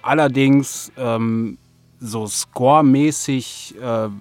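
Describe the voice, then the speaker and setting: A man giving casual, colloquial interview answers, often halting mid-sentence as he thinks. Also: mid-range voice, steady tone, a little mellow, dry recording, soft background music. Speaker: interview guest, music producer of an audio drama.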